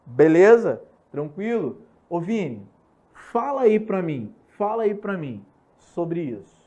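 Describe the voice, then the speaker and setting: A young man with a Brazilian Portuguese accent teaching an online law lesson, repeating key points and checking in with quick questions. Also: sits high, big pitch swings, mellow. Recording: slightly muffled lo-fi recording.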